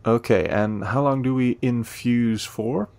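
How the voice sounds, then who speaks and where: A man acting a friendly, playful, eager young cafe helper in a romance audio roleplay, teasing and warm in a conversational way. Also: medium pitch, unhurried, dry recording, lightly acted. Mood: warm, earnest.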